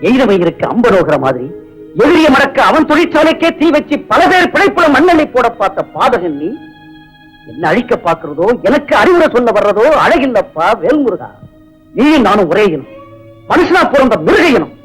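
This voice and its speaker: A hot-tempered man full of remorse in a 1980s film, his voice pitched very high and ranging widely. He speaks in grave, reproachful tones, accusing himself and others. Film music plays underneath. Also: sing-song, normal speed, breathy edge, heavily acted, poor audio. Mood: bitter reproach. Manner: shouting then grave, reproachful speech. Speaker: repentant villain in a film. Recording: film soundtrack with music behind.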